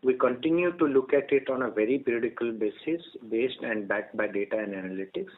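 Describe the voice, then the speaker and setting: A man's voice: medium pitch, animated. Formal man, faintly noisy phone line. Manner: formal, deliberate. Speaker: company executive, doctor. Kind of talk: earnings call answer.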